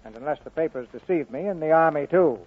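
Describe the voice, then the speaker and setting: A man's voice: fairly high pitch, lively intonation, fast. A man hosting a 1940s radio theatre broadcast, reading scripted announcements. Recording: muffled narrowband vintage radio broadcast.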